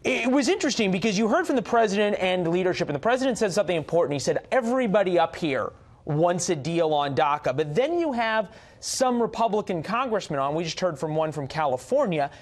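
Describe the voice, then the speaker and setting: Higher-pitched American male news anchor. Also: very animated, fairly quick. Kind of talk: live television news interview.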